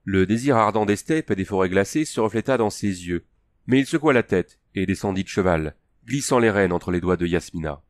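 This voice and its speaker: A man narrating an adventure story as an audiobook, steady and measured. His voice sits on the low side and is recorded close and dry, with no room sound around it. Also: no room sound. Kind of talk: scripted narration of a fantasy story.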